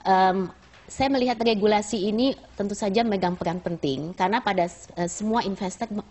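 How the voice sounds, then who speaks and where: A woman giving explanatory answers as a business panel guest, measured and mixing in English business terms. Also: medium pitch, darkish tone.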